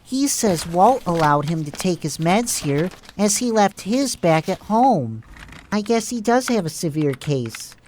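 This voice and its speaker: A woman's voice: on the low side, big pitch swings, measured pace, a little mellow, slight background noise. A woman playing an earnest, trusting, mildly exasperated nurse in an audio drama, with a polite, questioning way of talking. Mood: curious, hesitant.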